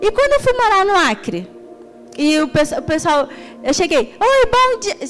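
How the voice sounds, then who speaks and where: An animated woman at an extremely high pitch with a Rio de Janeiro accent, very wide pitch swings and a moderate pace, with music in the background. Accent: carioca accent, kept. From Rio de Janeiro, Baixada Fluminense. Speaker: deaconess and preacher. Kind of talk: sermon. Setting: church youth service. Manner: animated, extroverted.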